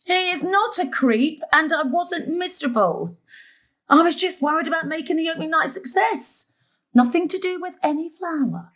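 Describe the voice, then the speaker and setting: A woman's voice: very high-pitched, animated, moderate pace, fairly bright tone. An actress playing a weary, self-effacing middle-aged mother who longs for freedom. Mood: defensive.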